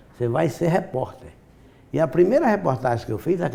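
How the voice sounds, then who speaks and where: With a dark, mellow tone that is somewhat breathy, a man speaks at a fairly quick pace using very wide pitch swings. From Brazil, Paraíba (João Pessoa). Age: 70s. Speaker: publicist and editor. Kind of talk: TV interview.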